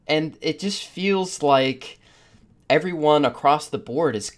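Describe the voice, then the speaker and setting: A man hosting a podcast in casual discussion, rambling through his opinions with the odd chuckle as he talks. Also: on the high side. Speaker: podcast host.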